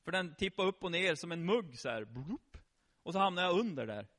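A middle-aged man telling a Bible story to children in a lively way, often quizzing them with questions. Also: high-pitched. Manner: animated, asks the children questions. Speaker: children's preacher.

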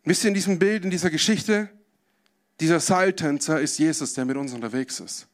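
A man's voice: on the high side, a little fast. A male preacher telling a story in a sermon, vividly, and addressing his listeners directly.

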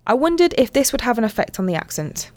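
A woman with a slight Black Country accent, presenting and narrating a documentary in a clear, measured way. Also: a little high, big pitch swings, a little mellow, no room sound.

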